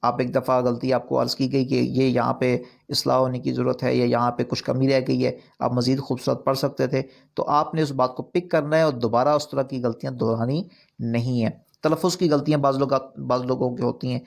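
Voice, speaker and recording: A man's voice: mid-range voice, little pitch movement, gravelly. A man teaching an online recitation course, explaining points earnestly and repeating them with rising emphasis. Urdu is not his first language.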